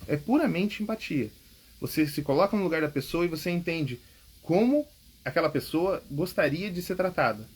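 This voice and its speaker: A man's voice: on the high side, a little hiss or hum. A man hosting a public speaking podcast, coaching casually and emphatically, often checking in with "ok?". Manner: emphatic, repeats key points, frequent "ok?" checks. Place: home recording.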